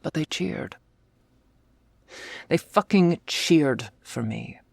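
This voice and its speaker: Woman performing female half-orc war leader, ASMR role-play, breathy and husky, unhurried, tough yet tender, close dry sound. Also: expressive, no room sound, exaggerated voice. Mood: tender, reflective. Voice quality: low husky, breathy, gravelly voice. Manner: slow confessional delivery, often dropping in a soft voice.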